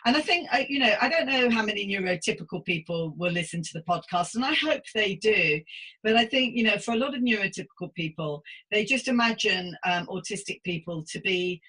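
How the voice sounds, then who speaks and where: A woman's voice: mid-range voice, lively intonation, brisk, bright, forceful tone, husky, rough recording. A middle-aged British woman hosting a casual interview podcast, chatting in a rambling, self-deprecating way. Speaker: podcast host.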